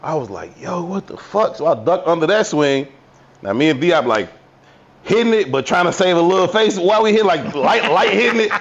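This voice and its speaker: A man co-hosting a podcast, telling a profane, animated story from his youth with voiced quotes in casual chat. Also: on the high side, a little fast, muffled recording. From Chicago South Side. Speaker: podcast co-host.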